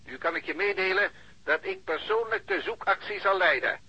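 Muffled phone, pompous raspy police chief. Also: male voice, high-pitched, moderate pace, bright, forceful tone, full character voice. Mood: officious, commanding. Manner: self-important, formal, officious. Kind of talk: Dutch radio drama acting. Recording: muffled band-limited phone line.

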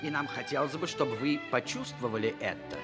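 A man's voice: mid-range voice, brisk. A man delivering scripted narration as the announcer of a radio theatre broadcast. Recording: loud orchestral music under voice.

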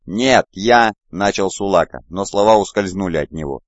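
A man with a deep, low voice narrates an audiobook in a steady, measured way. The recording is dry and close, with a slightly dull, muffled tone. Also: no echo. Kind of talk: scripted narration.

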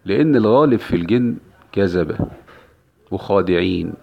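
Gravelly-voiced preacher, lo-fi. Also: male voice, low-pitched, animated, normal speed. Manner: emphatic, repeats key phrases. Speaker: Islamic preacher. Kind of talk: religious lecture. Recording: dull lo-fi recording.

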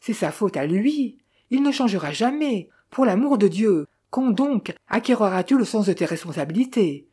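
A reader voicing an agitated older male jeweler, a worried father who scolds his son, with a mellow, husky tone. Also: medium pitch, animated, moderate pace, natural voice. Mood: scolding. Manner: anxious, scolding.

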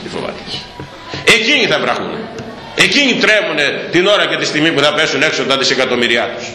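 Fiery older Greek priest preaching. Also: male voice, a little high, lively intonation, reverberant, long reverb tail. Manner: fiery, shouting bursts, mocking. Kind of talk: sermon.

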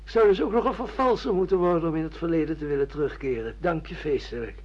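A man's voice: a little high, fast talker, darkish tone, lightly acted. An actor playing a bitter, defiant judge who has lost his memory, argumentative and sardonic, in a Dutch radio play. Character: bitter amnesiac judge, defiant man refusing his past. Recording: dull lo-fi radio play recording.

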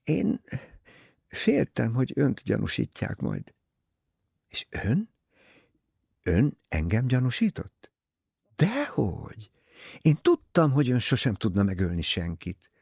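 A man voicing a shy, gentle young woman in an audiobook, with a soft, timid delivery. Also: medium pitch, wildly swooping pitch, vocal fry, pauses often, breathy edge, no echo, clean studio sound, voice pushed up, heavily acted.

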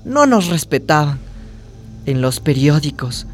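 Here the actress uses a deep, very animated voice, speaking a little slowly over soft background music. She narrates and stars in a radio drama as a young trans woman hairdresser sharing her life, tender and wounded, in a wistful, confiding tone.

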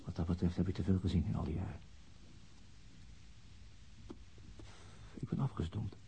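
An actor playing a brooding, weary middle-aged police inspector in a radio play, with terse, probing, self-questioning delivery and a husky voice. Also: male voice, low voice, fairly even intonation, rapid-fire, dark tone, a little hiss or hum, close to an everyday voice. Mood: anguished, self-doubting. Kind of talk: radio play acting, inner monologue and questioning.

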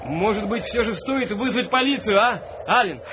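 An actor in a radio play playing an anxious, polite husband, hesitant and urgent. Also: male voice, sits high, lively intonation, normal speed, background noise. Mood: worried, urgent. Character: anxious, polite husband worried about his friend.

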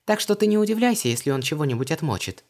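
A man voicing a flustered, talkative young woman in a high put-on voice. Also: big pitch swings, fast. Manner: high, bright, breathless.

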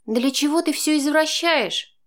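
A woman reader voicing a young woman who bristles and argues heatedly with her partner, in a much higher voice than her own. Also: fairly bright tone. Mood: indignant. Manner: indignant, quick to flare up.

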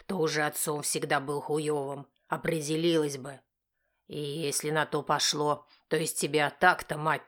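A woman's voice: deep voice, a bit bright. A woman reading an enraged snarling husband. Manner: harsh, snarling through teeth. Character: enraged husband and father, middle-aged man.

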